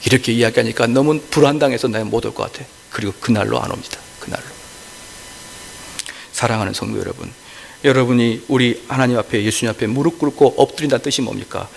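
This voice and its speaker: Preaching Korean pastor, gravelly voice. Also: male voice, medium pitch, fast, slight background noise. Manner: preaching with rhetorical questions, rising to emphatic peaks. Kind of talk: sermon. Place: church sanctuary. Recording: church hall with long reverb.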